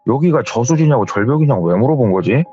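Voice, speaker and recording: A man's voice: mid-range voice, animated, quick pace, mellow, lightly acted. A man voicing a bewildered young employee who stammers politely, in a slightly dull recording with faint music behind. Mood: puzzled. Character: dazed young male employee, nervous and deferential.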